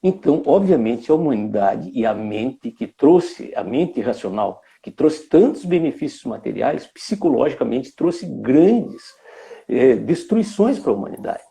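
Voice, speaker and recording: A man's voice: medium pitch, very animated, a little slow, creaky, dark tone. A man from Brazil giving a reflective live talk, musing aloud with frequent tag questions and restarts. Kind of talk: reflective spoken lecture.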